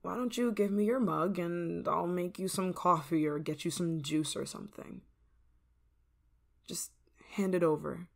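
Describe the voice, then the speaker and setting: A woman voicing an obsessive, controlling neighbor in an ASMR roleplay, soft-spoken and slipping into whispers with a sweet, creeping menace. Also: lowish voice, measured pace, gravelly. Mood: menacing.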